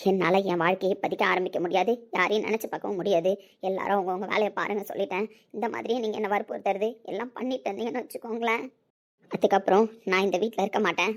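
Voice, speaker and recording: A woman's voice: mid-range voice, steady tone, quick pace, lightly acted. A woman playing a stubborn, cold-hearted young daughter who answers her mother curtly and defiantly. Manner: curt, defiant.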